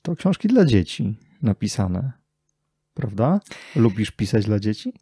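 Low, mellow, husky male interviewer. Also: big pitch swings, unhurried, dry recording, clean studio sound. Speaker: podcast host, interviewer. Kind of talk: casual conversational interviewing.

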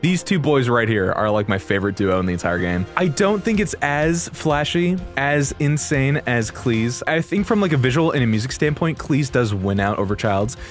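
A man giving casual, slangy, excited reaction commentary on video game trailers, full of exclamations. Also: medium pitch, moderate pace. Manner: slangy, exclamatory, gushing fan talk. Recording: game music behind the voice.

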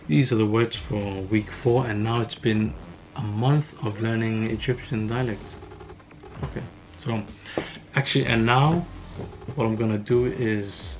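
A young man in his twenties recording a self-study language vlog in a small room, halting and correcting himself as he drills phrases. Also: lowish voice. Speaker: language learner vlogger. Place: small room with curtain backdrop.

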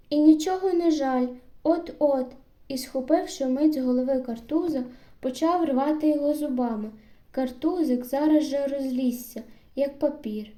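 A woman narrating a literary audiobook story in a measured storytelling manner with steady phrasing. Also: high-pitched.

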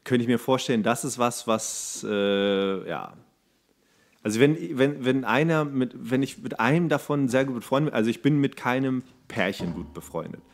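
A man's voice: medium pitch, moderate pace. A man in his thirties chatting casually as a podcast co-host, rambling and rephrasing mid-sentence. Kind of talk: casual chat.

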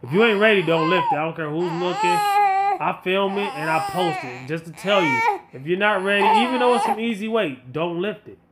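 A man's voice: high-pitched, huge pitch swings, a little fast, very noisy. A man in his late thirties talking casually to viewers as a fitness vlogger, blunt, emphatic and colloquial, often repeating himself to make a point. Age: late 30s. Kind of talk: casual motivational talk to viewers.

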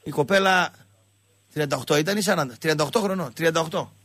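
A male sports radio host with a husky, high-pitched voice. He tells comic stories in an animated way and jumps into shrill voices for the people in them. His voice sounds dry and close. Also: dry recording. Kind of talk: comic storytelling and call-in chat.

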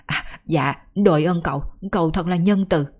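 A woman's voice: lowish voice, normal speed, darkish tone, natural voice. A woman voicing a poor middle-aged gambler who humbly begs a rich man for a loan, in a folk ghost story. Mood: pleading. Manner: pleading, humble.

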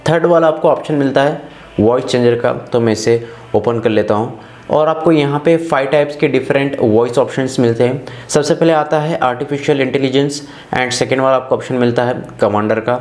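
A man's voice: mid-range voice, normal speed, a little mellow. A man with an Indian accent presenting a scripted phone tutorial. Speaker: tech video presenter. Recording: roomy echoing voice-over.

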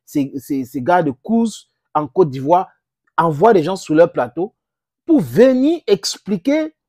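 A middle-aged man whose first language is English, giving impassioned direct-to-camera political commentary on a lapel mic, with sudden jumps in pitch for emphasis. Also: very animated, measured pace, warm tone, no room sound, studio quality. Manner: impassioned, gesturing, addresses viewers as friends, pitch jumps for emphasis. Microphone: clip-on lapel mic.

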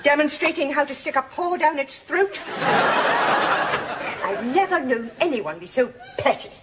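Exasperated wife, sarcastic scolding, bouncy voice, hissy old tv audio. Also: female voice, high voice, sing-song, a little slow. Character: exasperated long-suffering wife. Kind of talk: sitcom acting. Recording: noisy old TV broadcast audio.

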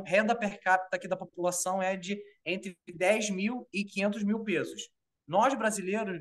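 A man in his thirties with a Carioca accent, chatting on a video call in a relaxed, rambling way. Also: high voice. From Rio de Janeiro, Brazil. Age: 30s. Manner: relaxed, rambling with fillers like "tipo" and "entendeu". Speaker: interview guest. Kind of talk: casual video-call chat.

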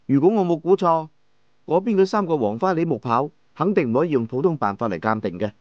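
Higher-voiced Cantonese male audiobook narrator. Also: lively intonation, a little fast, no echo, dull audio. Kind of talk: dramatized first-person novel narration.

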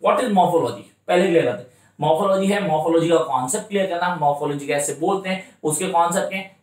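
A man with an Indian accent gives an exam-prep lesson, drawing out his English phrases slowly and circling back to the same points. His voice sits a little high for a man. The room around him rings with echo. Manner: repetitive, coaching, slows right down for English phrases. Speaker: tutor. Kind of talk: exam-prep lecture in mixed Hindi and English. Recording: echoey room.

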